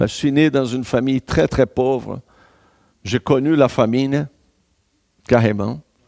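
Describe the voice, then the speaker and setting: A man with a Brazilian accent, at a fairly slow pace, with long, frequent pauses. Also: dry, close sound with no echo. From Brazil (São Paulo state, Pirassununga). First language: Portuguese (speaking French). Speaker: pastor. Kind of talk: sermon. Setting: church. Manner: halting.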